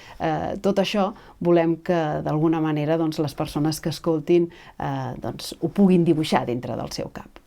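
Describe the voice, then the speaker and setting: A woman's very deep, low voice, dark and mellow in tone, with fairly even intonation and a fairly slow pace. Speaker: voice actor. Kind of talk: interview answer.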